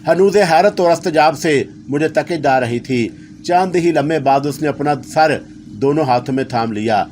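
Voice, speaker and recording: A man's voice: fairly high pitch, a little mellow, a little hiss or hum. A man telling a first-person horror story in a dramatic, scripted narration style.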